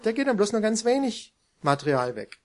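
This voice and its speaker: High-voiced man preaching a sermon. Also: sing-song, fairly quick. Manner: conversational, asks the congregation questions.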